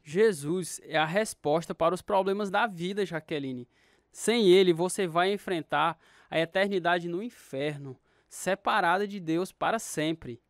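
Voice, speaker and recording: A man's voice: sits high, a little slow. An actor playing an earnest, devout Christian man with a Brazilian accent, giving his testimony in a radio drama. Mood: solemn, urging. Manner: earnest, preachy.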